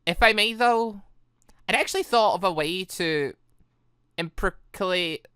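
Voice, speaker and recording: A woman's voice: medium pitch, unhurried, a bit bright, clear, resonant tone, no room sound, studio quality, lightly acted. A woman voicing an earnest, formal young android girl from a visual novel, with precise, methodical wording.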